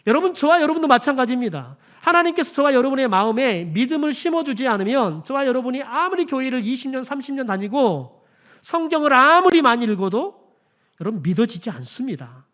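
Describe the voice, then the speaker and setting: A male pastor delivers a Sunday sermon in a high, very animated voice that rises and falls all over. He keeps turning to the congregation with direct questions that he answers himself. His emphatic lines drop into quiet, hushed phrases. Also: fairly quick. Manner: addresses the congregation often as "여러분", asks questions and answers them himself. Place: church sanctuary.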